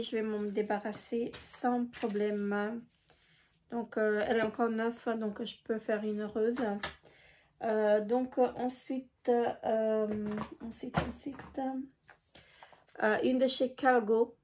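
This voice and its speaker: A woman chatting casually in a show-and-tell vlog, hesitant with many filler pauses. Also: fairly high pitch, darkish tone, a little hiss or hum. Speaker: beauty vlogger.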